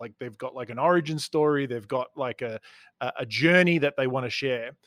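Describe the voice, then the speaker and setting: Speaking with an Australian accent, a man keeps a fairly quick pace at medium pitch with ordinary pitch variation. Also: dry, close sound with no echo. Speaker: storytelling and presentation coach. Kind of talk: podcast interview.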